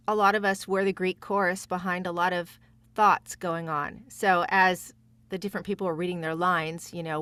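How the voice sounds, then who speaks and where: A woman guest voice actress telling stories casually, in a chatty, giggly, rambling and animated way. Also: fairly low pitch, dry recording.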